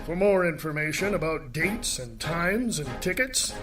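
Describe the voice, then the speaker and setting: A male announcer reads scripted radio material in a measured way. His voice is a little high and his delivery very slow and deliberate. Music plays clearly behind him. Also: sing-song. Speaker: radio theater announcer and narrator.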